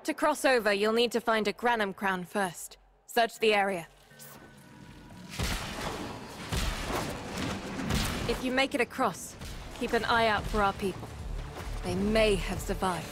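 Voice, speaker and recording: Woman as tough game rebel, medium-pitched voice, blunt, wry, music underneath. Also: moderate pace, natural voice. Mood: determined. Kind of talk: video game dialogue acting.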